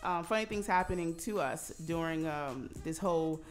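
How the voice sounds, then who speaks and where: A woman's voice: on the low side, moderate pace, faint music behind. A woman in her forties hosting a radio talk show, chatting casually with many fillers and easy laughs. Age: 40s. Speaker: radio host. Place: radio studio. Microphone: studio microphone.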